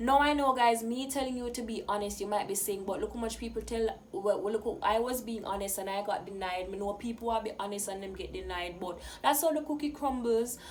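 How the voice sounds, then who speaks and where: Against noticeable background noise, a woman with a Jamaican accent and a fairly high pitch talks at a fairly quick pace with lively intonation. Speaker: YouTuber. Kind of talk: advice vlog. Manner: fast.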